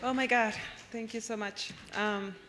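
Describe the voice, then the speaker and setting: A woman's voice: fairly high pitch, steady tone, measured pace. A woman from Mexico, a native Spanish speaker with a Mexican accent, giving an earnest and nervous keynote speech about her own life. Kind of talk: personal testimony speech. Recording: echoey hall, faint noise.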